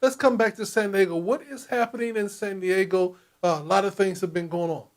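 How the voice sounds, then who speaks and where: A man's voice: sits high, steady tone, fairly quick. A man hosting a talk show, chatting in a folksy, joking way. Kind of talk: casual chat.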